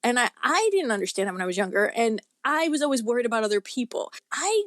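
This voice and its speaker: A woman's voice: on the high side, very animated, fast, a bit bright, no echo, studio quality. A woman speaking as a guest author in a casual interview, talking in an earnest, rambling, tentative way.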